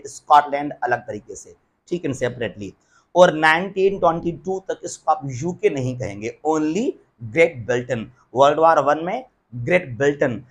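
A man giving a geography lecture at a map, asking himself questions and answering them, and slowing down for English terms. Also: fairly high pitch. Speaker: teacher.

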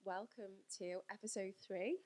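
A woman in her thirties co-hosting a casual podcast, her voice croaky and husky from a cold, laughing easily. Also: mid-range voice, steady tone, moderate pace, darkish tone. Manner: giggly, easygoing. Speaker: podcast co-host. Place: small cosy studio room, indoors. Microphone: studio mic on boom arm.

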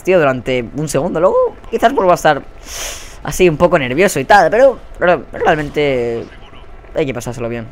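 A young man with a Spanish accent from Spain narrates his match as it happens, slipping between muttered asides and sudden frustrated yells. His voice sits a little on the high side, full of swearing and complaints about the game. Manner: swearing, frustrated outbursts and yelling. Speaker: gaming YouTuber. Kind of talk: live gameplay commentary.

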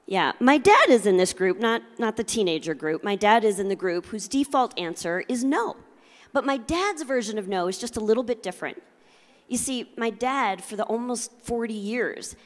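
A middle-aged woman giving a motivational keynote with comic storytelling, speaking with theatrical emphasis and working the audience through a handheld microphone. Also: medium pitch. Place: large convention hall, indoors. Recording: live hall PA with long reverb.

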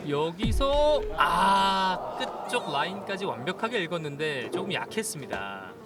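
Male golf play-by-play commentator, high register, very animated calls, set back from the mic under loud music. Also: measured pace, far from the mic. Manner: exclaims and calls shots in short announcements. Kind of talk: live golf tournament commentary.

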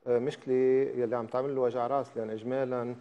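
A man's voice: medium pitch, level tone, racing, long reverb tail, highs cut off. An older man with a Lebanese accent, a doctor guest giving methodical advice to callers in a TV studio. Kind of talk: studio talk show advice.

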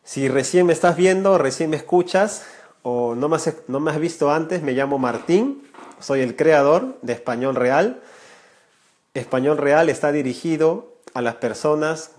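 A man's voice: on the high side, unhurried, darkish tone. A man in his thirties, a Spanish teacher, talking earnestly and directly to viewers during a live stream from a small room. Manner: earnest, gestures with hands, addresses viewers directly. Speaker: Spanish teacher, channel creator. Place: small room indoors, warm lamp light.

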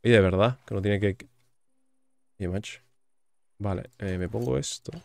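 A man's voice: lowish voice, normal speed, creaky, darkish tone, no echo. A man with a Spain Spanish accent giving chatty, joking commentary while playing a video game and reading its text aloud. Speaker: gaming YouTuber. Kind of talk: gaming commentary.

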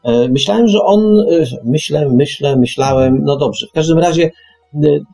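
A man's voice: fairly high pitch, normal speed, creaky, warm tone, soft background music. A man hosting a radio discussion, speaking emphatically and often restarting and repeating his phrases. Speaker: radio show host.

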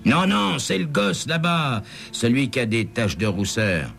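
A man's voice: mid-range voice, lively intonation, measured pace, gravelly, a bit bright, faint music behind, pitched above the performer's own voice. A man voicing a moaning, panicky motel manager. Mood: flustered. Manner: lamenting, plaintive. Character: panicky whining male motel manager, middle-aged.

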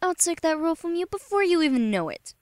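A woman's voice: very high voice, big pitch swings, fast talker, darkish tone, no echo, pitched above the performer's own voice. A woman voicing a cold, treacherous girl rival in an anime-style audition. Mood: cold, scornful.

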